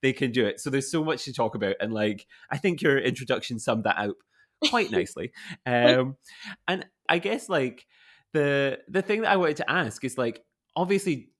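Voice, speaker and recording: A man's voice: mid-range voice, expressive, moderate pace. A young man hosting a conservation podcast, asking questions in a rambling, casual way full of restarts. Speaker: podcast host. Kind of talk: casual interview chat.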